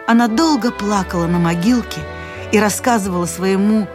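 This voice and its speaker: An actress narrating a fairy tale for radio in an expressive, measured storytelling voice. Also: female voice, mid-range voice. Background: music.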